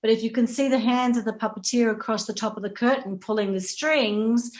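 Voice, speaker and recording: A woman speaking informally as a panelist, animated and conversational, illustrating her points with examples. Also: on the high side, a little fast. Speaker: panelist, playwriting teacher.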